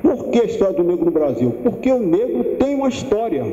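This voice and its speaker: A man in his seventies giving an unhurried, thoughtful lecture, pausing and restarting as he goes. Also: sits high, expressive, dark tone, slight background noise. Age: 70s. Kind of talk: public lecture. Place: large lecture room. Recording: echoey hall, dull lo-fi sound.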